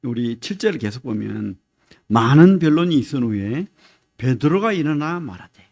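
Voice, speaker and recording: A middle-aged male pastor preaches a Sunday sermon in an easygoing, conversational way. His voice sits at a medium pitch and carries a gravelly, creaky edge. He keeps turning to his listeners with quick "right?" checks and acts out the people in his stories. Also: very animated, a little mellow. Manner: conversational preaching, constant "right?" tag questions to the congregation.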